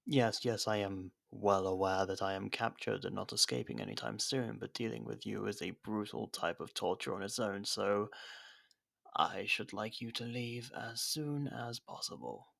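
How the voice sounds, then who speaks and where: A man playing a captured, haughty royal rival with dry sarcasm and theatrical pauses in an ASMR roleplay. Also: on the low side, gravelly, fairly bright tone, exaggerated voice.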